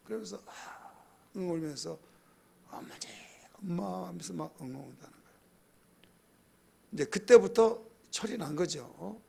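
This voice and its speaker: Gravelly, higher-pitched Korean pastor preaching. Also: male voice. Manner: conversational preaching, questions to the congregation. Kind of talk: sermon.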